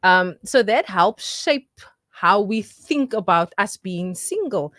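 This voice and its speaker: A young woman co-hosting a radio show, talking earnestly and with energy in casual studio chat, quick to joke. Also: mid-range voice, no echo. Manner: earnest, animated, jokes and laughs easily. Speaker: radio co-host.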